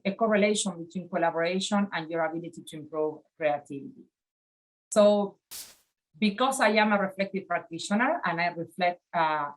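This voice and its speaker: A woman's voice: on the low side, low-quality recording. A woman in her forties from Argentina with an Argentine Spanish accent, giving a reflective design lecture over slides and often checking in with "right?". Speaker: design educator. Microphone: webcam on video call.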